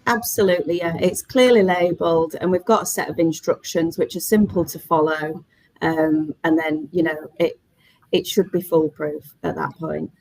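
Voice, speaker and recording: A woman's voice: low voice, steady tone, moderate pace, gravelly, a little mellow, no room sound, poor audio. A woman on a webinar panel explaining practical matters informally, chatty and spelling things out step by step. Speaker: workspace operator, panellist.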